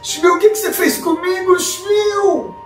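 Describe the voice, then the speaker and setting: Brief: male storyteller playing a vengeful young ghost, high-pitched and shouting, faint music behind. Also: a little slow. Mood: furious, accusing. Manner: shouting accusations. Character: dead young man's ghost, demanding, furious. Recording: roomy, distant mic, faint music.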